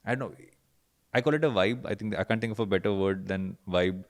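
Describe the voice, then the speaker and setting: A man with a fairly low voice hosts a reflective conversation. He sounds thoughtful, rephrasing his ideas as he works toward a question. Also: a little fast. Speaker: podcast host.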